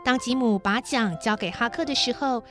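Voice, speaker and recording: Gentle woman reading a children's story. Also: on the high side, moderate pace, over music.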